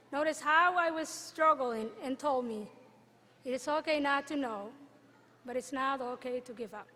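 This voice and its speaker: Young woman from somalia giving a graduation speech at a podium mic, high voice, long hall echo, earnest and slow with pauses. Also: a bit bright. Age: young adult. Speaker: student commencement speaker. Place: large hall. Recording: long reverb of a big hall.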